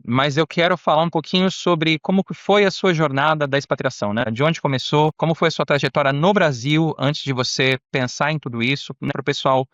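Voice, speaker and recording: A man's voice: a little high, a little fast, hardly any pauses, a bit bright, dry recording, muffled recording. Casual Brazilian male podcast host, dry close sound. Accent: Brazilian Portuguese, São Paulo. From Brazil, São Paulo state. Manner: informal, peppers talk with slang.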